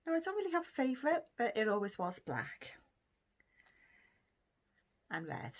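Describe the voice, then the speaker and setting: Welsh woman, middle-aged, chatty vlog voice, swoopy lively pitch, lots of ums and giggles. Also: moderate pace. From Cardiff, Wales. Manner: chatty, laughs often, many ums. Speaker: vlogger. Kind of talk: casual chat answering a question tag.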